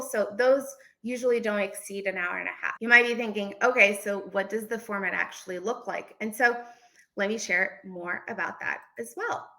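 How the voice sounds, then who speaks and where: A woman's voice: mid-range voice, fairly bright tone, low-quality recording. A woman from Portugal giving an informal online presentation as an events manager.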